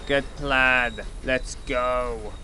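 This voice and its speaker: Sardonic male adventurer for fantasy audio play, played by a man; mid-range, tense bright tone, everyday blunt delivery. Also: mid-range voice, level tone, extremely slow, a little hiss or hum, heavily acted. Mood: alarmed, urgent. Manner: sarcastic, blunt. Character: sardonic, exasperated, easily startled male adventurer hero. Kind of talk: audio drama acting.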